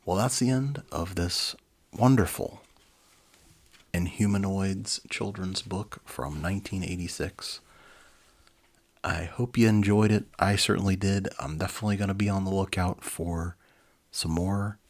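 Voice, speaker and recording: A man's voice: low voice, a little slow. A man presenting and reading a children's storybook, with an easygoing, informal manner. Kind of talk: dramatic reading with casual asides.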